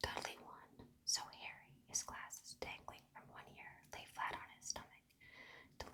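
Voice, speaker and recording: Someone whispers at a fairly slow pace. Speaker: audiobook reader. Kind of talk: whispered story reading. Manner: whispered.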